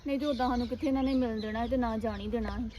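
A woman's voice: a little high, steady tone, rapid-fire, mellow, lo-fi sound, natural voice. A young woman playing a chatty village girl teasing her friend on the phone. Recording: outdoor noise, birds and vehicles.

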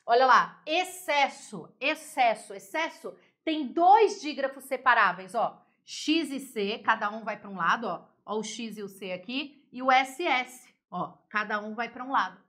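A Brazilian Portuguese teacher, a woman, giving a lively online grammar lesson, explaining step by step and checking whether the class follows. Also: fairly high pitch, moderate pace, hardly any pauses.

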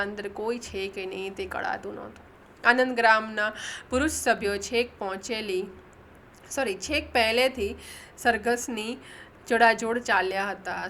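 A woman reads a novel chapter aloud in a bright, forceful voice, giving the characters' shouts extra punch and stopping now and then to correct a slip. A faint hiss sits under the reading. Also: mid-range voice. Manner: reads dialogue with raised emphasis, corrects own slips. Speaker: audiobook narrator. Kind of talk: audiobook reading.

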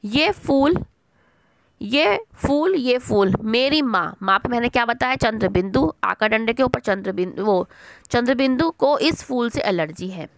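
Patient woman teacher with a gravelly voice. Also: a little high, moderate pace, no room sound. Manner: patient, repeats words, asks and answers her own questions. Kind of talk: online Hindi lesson for children.

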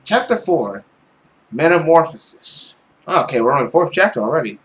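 A man's voice: a little high, sing-song, moderate pace, fairly bright tone, slight background noise. A young man reading visual novel text aloud expressively, with his own commentary. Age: young adult. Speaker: video game player and narrator. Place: small room at home, indoors. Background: game music.

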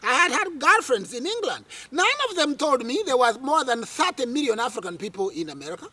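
Under a tree outdoors, a middle-aged Ugandan man is interviewed as a guest and recounts his life story with drama and energy, filling it with lots of fillers. A lapel mic captures his extremely high-pitched, breathy voice. He talks fairly quickly, and there's no echo.

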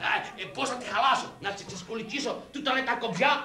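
A woman's voice: on the high side, bright, forceful tone, far from the mic. A woman playing a bumbling village husband with a Cretan accent in a comic sketch, rustic and blustering. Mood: scheming. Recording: roomy echoey room.

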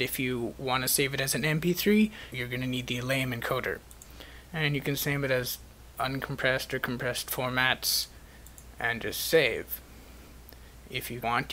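A man's voice: medium pitch, normal speed, sharp tone, a little hiss or hum. A man presenting an instructional screencast, explaining the steps as a tutorial narrator.

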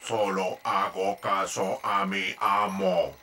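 A man voicing a big obedient toy robot in a children's cartoon, with a stilted mechanical, monotone delivery. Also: sits low, slow pace, full character voice. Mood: obedient, flat. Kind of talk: animated children's cartoon dub.

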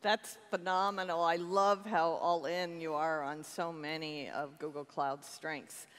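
A woman's voice: low-pitched, flat delivery, measured pace, clear, resonant tone. A middle-aged woman hosting a conference keynote, upbeat and enthusiastic, speaking into a headset mic on a large stage. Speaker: keynote host. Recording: long hall reverb with faint music.

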